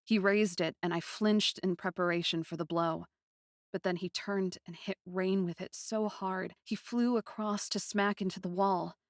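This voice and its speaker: Actress for passionate, wounded fantasy princess narrator in a fiction podcast. Medium pitch, intense delivery, very dry sound. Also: female voice, fairly even intonation, normal speed, no echo, close to an everyday voice. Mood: wistful, tense. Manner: intense, emotive. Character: grieving, passionate young captive princess narrating her story. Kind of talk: dramatic first-person storytelling, fan-fiction podcast.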